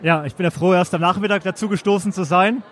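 A man from the Stuttgart area hosts a casual podcast chat at a trade fair lounge. His voice sits fairly high for a man, and he jokes along, pausing on plenty of fillers. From Germany, Stuttgart area. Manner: chatty, joking, hesitant fillers. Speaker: podcast host.

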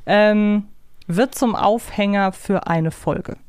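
A woman with a smooth, clear voice at a middle pitch, recorded dry and close. She chats casually as a podcast co-host, thinking aloud and pausing to find the right word. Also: darkish tone, no room sound, faint music behind. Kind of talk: casual chat about an audio drama series.

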